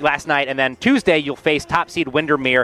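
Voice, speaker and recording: A man's fairly high-pitched voice with an American accent, music in the background. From US Midwest, Kansas. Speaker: sports radio host. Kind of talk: radio sports interview.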